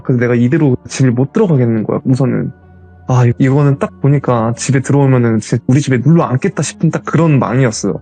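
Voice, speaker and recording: A man telling his own ghost story as a guest, in a casual, animated retelling. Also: mid-range voice, breathy edge.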